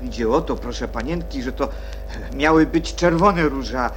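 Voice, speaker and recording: An actor playing a meek, anxious playing-card gardener in a radio play, apologetic and hesitant. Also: male voice, medium pitch, normal speed, faint music behind, natural voice. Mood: meek, pleading.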